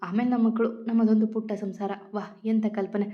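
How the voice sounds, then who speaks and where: A playful young husband who dotes on his wife and teases her at every turn, read aloud by a woman. He speaks at a middling pitch, affectionate and teasing. The storybook recording sounds dull and lo-fi. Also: little pitch movement, a little fast, close to an everyday voice. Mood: doting. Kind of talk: storybook reading.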